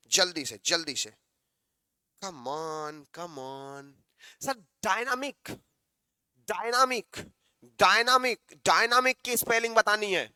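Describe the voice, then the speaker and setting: Male exam-prep tutor, slow and coaxing, with a smooth, dry voice. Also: sits high, pushed and bright, no room sound. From Northeast India. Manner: brisk and coaxing, calls out for quick answers, reads English options slowly. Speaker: exam-prep English teacher. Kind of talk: online exam-prep lesson.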